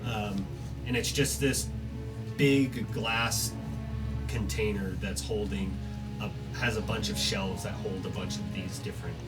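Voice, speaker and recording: A man running a tabletop game as game master, describing scenes in a halting way with many fillers. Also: lowish voice, fairly even intonation. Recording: distant mic, loud background music.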